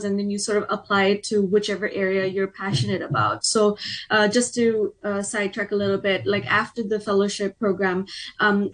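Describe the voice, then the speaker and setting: A woman's voice: medium pitch, breathy edge, rough recording. Earnest young woman from Hong Kong. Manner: earnest, chatty, uses "like" often. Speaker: interview guest, program alumna. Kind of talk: telling her story in a radio interview.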